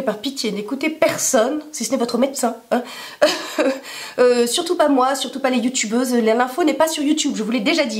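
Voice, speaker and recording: A woman with a hoarse smoker's rasp being sick, chatting casually to camera in a rambling, self-deprecating way full of asides. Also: fairly high pitch. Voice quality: raspy smoker's rasp from illness. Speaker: YouTube vlogger.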